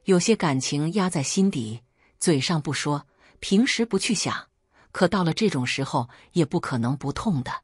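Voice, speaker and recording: A woman reads a first-person story in an even, measured way. Her voice is low and slightly husky, and the recording is close and dry. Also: no room sound. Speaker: narrator.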